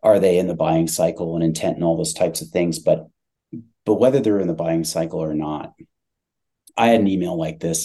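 Guy on a business podcast, lowish soft-edged mellow voice, emphatic, chatty delivery. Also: husky. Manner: emphatic, repeats phrases for stress. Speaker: podcast guest, tech company CEO. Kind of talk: conversational business discussion.

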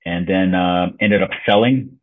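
A man from Slovakia, a business owner, talking as a podcast guest in a relaxed, loose way with plenty of fillers, heard over a remote call. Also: low voice, unhurried. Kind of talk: casual interview chat. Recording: tinny phone-like call audio.

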